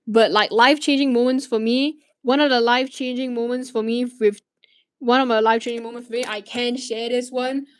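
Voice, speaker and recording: A teenage woman from Malaysia chats on her stream, her voice sitting a bit high. She rambles through viewer questions, restarting her sentences and swearing casually. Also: steady tone, fairly quick, clear, resonant tone.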